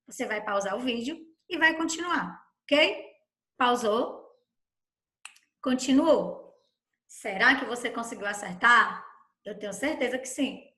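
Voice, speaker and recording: Slow, patient Brazilian teacher, bright voice. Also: female voice, fairly high pitch, reverberant. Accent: Brazilian Portuguese. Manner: slow, patient, sing-song addressing of a child. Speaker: primary school teacher. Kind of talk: recorded remote lesson for young children.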